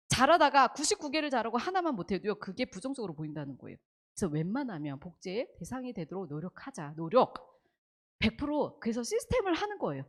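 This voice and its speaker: A woman speaking at a business seminar, lecturing with rhetorical questions and acted-out bits of quoted dialogue. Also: fairly high pitch.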